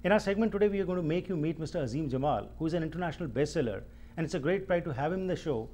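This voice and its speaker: A man hosts a talk show and asks his guest long, formal questions in a measured manner. His voice sits a bit high and sounds mellow and warm. A faint hum runs under it. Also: expressive. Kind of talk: formal interview hosting.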